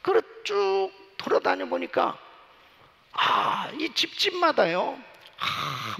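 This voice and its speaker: A man's voice: high voice, creaky, bright, forceful tone. A male pastor preaching a sermon in a church sanctuary, telling stories animatedly with frequent asides to the congregation. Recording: long church reverb.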